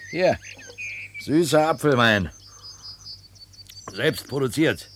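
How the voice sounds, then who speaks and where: An actor playing a wry, leisurely neighbour in a radio drama, relaxed and mocking in a conversational way. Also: male voice, mid-range voice, slow pace, slight background noise. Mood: easygoing. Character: wry, leisurely teasing male neighbour and friend. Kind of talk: 1970s German radio drama acting.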